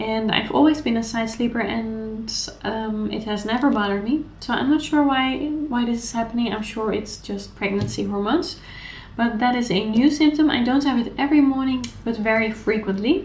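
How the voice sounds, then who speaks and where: A woman speaks at a moderate pace with ordinary pitch variation, with audible room echo and light background noise. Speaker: vlogger. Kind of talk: casual vlog chat. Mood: calm, warm. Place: home room.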